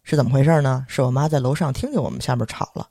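A man's voice: mid-range voice, gravelly, husky, no echo, studio quality. A young man, heavy erhua, telling a story in casual podcast chat. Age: young adult. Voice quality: heavy erhua, quick lively delivery. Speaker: podcast co-host.

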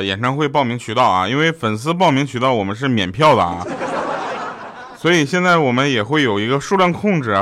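Male host, 30s, brisk, joking storyteller. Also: mid-range voice, a bit bright, a little hiss or hum. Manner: joking, chatty, laughs often. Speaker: podcast host. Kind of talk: comedic storytelling chat.

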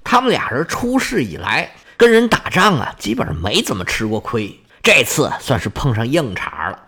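A man's voice: medium pitch, huge pitch swings, moderate pace, bright, forceful tone, breathy edge. A man telling an ancient myth in a traditional oral storytelling style, colloquial and dramatic.

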